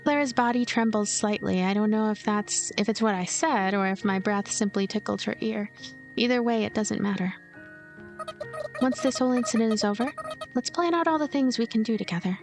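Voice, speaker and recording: Woman as cynical scheming girl narrator, high voice. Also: fairly quick, faint music behind, natural voice. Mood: coaxing, sly. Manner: detached, coaxing, calculating. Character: lonely, cynical, manipulative girl ghost narrating her schemes. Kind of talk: narration of a visual novel.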